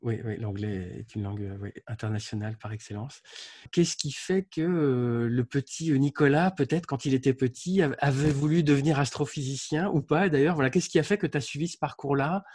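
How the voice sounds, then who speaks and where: A man's voice: medium pitch, darkish tone, breathy edge, no echo, studio quality. A man interviewing a guest, asking long questions with hesitations and repeated words. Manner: halting, repeats words while framing questions.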